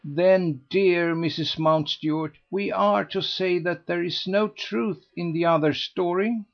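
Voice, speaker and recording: A man voicing an excitable, gossipy older society lady who gushes and pleads breathlessly. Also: sits high, slow pace, creaky, highs cut off, voice pushed up, heavily acted. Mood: imploring.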